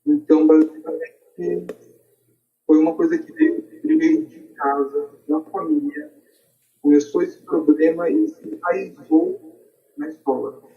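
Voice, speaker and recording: A man's voice: fairly high pitch, animated, measured pace. A Brazilian man explaining his points in a podcast discussion, recorded on a distant, dull lo-fi microphone. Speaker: podcast participant.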